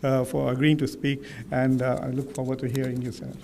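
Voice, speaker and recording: A man's voice: medium pitch, level tone, fast, creaky, darkish tone, a little hiss or hum. A man moderating a panel, addressing a live event to introduce the next speaker.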